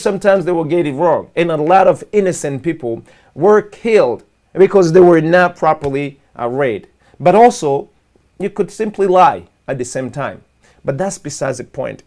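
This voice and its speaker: A man from Rwanda hosts a political talk over a video call, his voice sitting a little high for a man. He explains things earnestly and patiently, and he often stumbles and restarts mid-phrase as he builds his argument. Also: a little mellow. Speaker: host. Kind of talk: political commentary monologue. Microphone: live video call.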